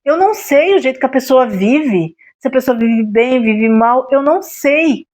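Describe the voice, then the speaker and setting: A woman's voice: high-pitched, animated, moderate pace, a little mellow. A middle-aged Brazilian woman telling a personal story on her vlog in a confiding way, often checking in with her listeners. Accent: Brazilian Portuguese. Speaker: vlogger.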